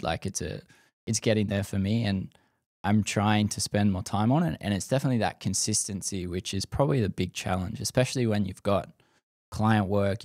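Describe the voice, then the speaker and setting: A man's voice: lowish voice, gravelly, darkish tone, no room sound, studio quality. A man in his thirties, a photographer, talking as a guest on a podcast, thoughtful and filling his speech with likes. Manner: thoughtful, many likes and restarts. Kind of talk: casual podcast interview. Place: dim studio set. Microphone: boom-mounted studio mic.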